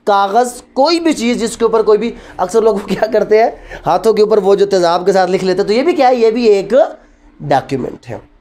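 A male law lecturer with a Pakistani accent speaks in a high-pitched voice. He teaches didactically, dropping in English terms. He keeps posing short questions and then answers them himself. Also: a little mellow.

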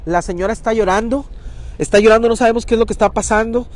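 A man reporting live from a riverbank, urgent and talking fast, sometimes calling out loudly across the water. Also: sits high, steady tone. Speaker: local news reporter. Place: outdoors at a riverbank.

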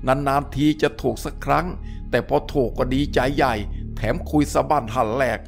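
A man's voice: mid-range voice, fairly even intonation, moderate pace, gravelly, faint music behind, lightly acted. A man voicing a blunt, sardonic sergeant who needles others dryly. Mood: needling.

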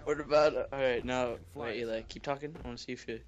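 A man's voice: mid-range voice, fairly even intonation, quick pace, lo-fi sound. A young man giving casual gaming commentary, rambling through crude jokes and laughing often. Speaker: gameplay commentator. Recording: loud background noise.

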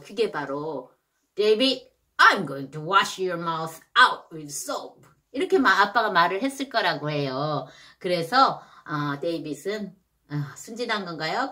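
A woman's voice: medium pitch, fairly bright tone. A woman in her thirties, a mother, casually explaining picture-book reading to other parents with chatty asides and rhetorical questions.

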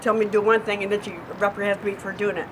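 A chatty, sincere woman in her seventies answers viewer questions as a neighbor, standing on a backyard lawn beside a wall. Her mid-range voice moves fast and earnestly, repeating words as she thinks. A distant camera mic picks her up alongside steady outdoor noise.

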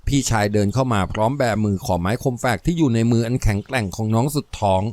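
A man narrating a novel as an audiobook, in an expressive storytelling manner. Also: lowish voice, quick pace, no room sound.

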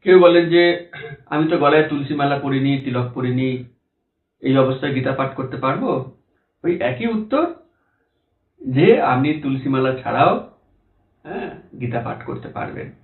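A man's voice: mid-range voice, lively intonation, measured pace, long pauses. Earnest man preaching in an echoey room. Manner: earnest, reassuring, rhetorical questions. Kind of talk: devotional Q&A talk. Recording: echoey, tinny phone-like sound.

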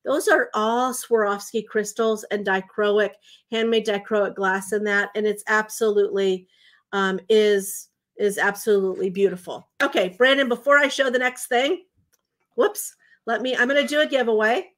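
A woman in her forties hosting a live jewelry shopping show, chatty and enthusiastic with lots of ums, her voice slightly hoarse from a recent bronchitis. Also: medium pitch, steady tone, normal speed, fairly bright tone. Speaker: jewelry livestream host. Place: indoor home studio room.

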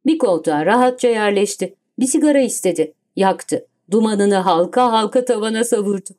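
A woman reading an audiobook in steady scripted narration. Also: mid-range voice, brisk.

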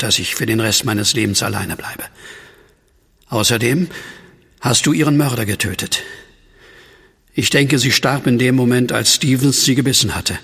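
An actor playing a shaken, tender widower who survived a monster attack, in a German horror radio play. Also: male voice, mid-range voice, creaky, a bit bright, breathy edge, full character voice. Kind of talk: German horror audio drama acting. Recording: long hall reverb.

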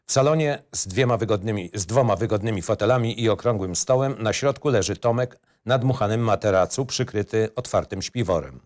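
Low-voiced, matter-of-fact male narrator. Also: brisk, few pauses, a little mellow. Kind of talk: scripted screenplay narration.

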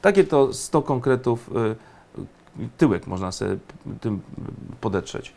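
A man giving indignant, emphatic political commentary, often pausing on fillers. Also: mid-range voice, very animated, vocal fry, darkish tone, slight background noise.

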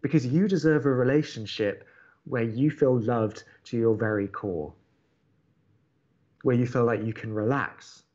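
A man's voice: medium pitch, unhurried, a little mellow, lo-fi sound, natural voice. A man playing a sardonic, understated young college radio co-host in an audio drama. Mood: earnest, intense. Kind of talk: naturalistic audio drama acting.

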